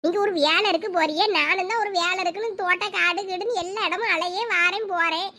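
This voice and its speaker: A woman playing a sharp-tongued village mother who nags and scolds. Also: extremely high pitch, a little fast. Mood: scolding. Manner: scolding, nagging. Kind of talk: comedy skit acting.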